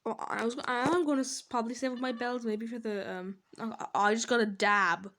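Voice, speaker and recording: A woman talking casually over her gameplay as a gaming channel host, chatty and rambling, quick to laugh and exclaim. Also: fairly high pitch, steady tone, a bit bright.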